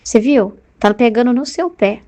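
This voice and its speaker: A flattering demon's inner voice with a Brazilian Portuguese accent, soothing the ego and agreeing with every hurt feeling, as a woman puts it on. It sits a little high and coaxing. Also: moderate pace, lightly acted.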